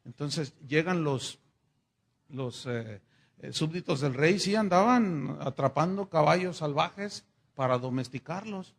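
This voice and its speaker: A man, a pastor telling a story in a sermon, animated and chatty with fillers. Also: a little high, slow, creaky.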